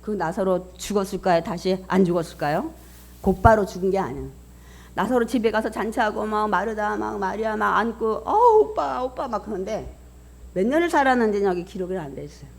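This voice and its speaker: A woman's voice: mid-range voice, a little fast. A middle-aged woman pastor preaching a sermon, acting out the voices of the people in the story. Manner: animated preaching, acting out voices of Bible figures.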